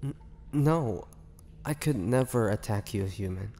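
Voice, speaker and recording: Slow, gravelly vampire played by a man. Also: lowish voice, expressive, warm tone. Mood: earnest, pleading. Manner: halting, hesitant, measured, with pauses. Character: ancient, trapped male vampire, gentle and wistful. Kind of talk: scripted audio roleplay monologue, intimate.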